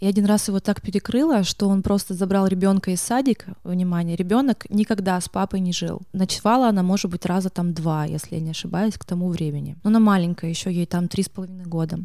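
The voice has a dark, mellow tone and fairly even intonation, moving at a very fast pace with hardly any pauses. The recording is very clean, with a silent background. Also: woman, medium pitch for a woman. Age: 30s. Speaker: divorced mother sharing her story. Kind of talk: casual chat.

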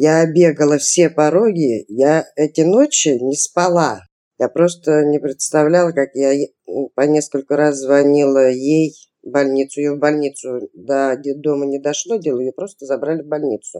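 A woman with a very deep, low pitch and a dark, mellow tone speaks at a fairly slow pace with ordinary pitch variation. The sound is dry and close, with no echo. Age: 40s. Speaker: mother in crisis. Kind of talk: testimony.

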